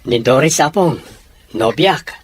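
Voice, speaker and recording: A man's voice: fairly high pitch, animated, measured pace. A man with a Filipino accent playing a devoted, reassuring young boyfriend in a radio drama. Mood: respectful. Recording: noisy ambience with clinking. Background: crowd-like noise, clinks.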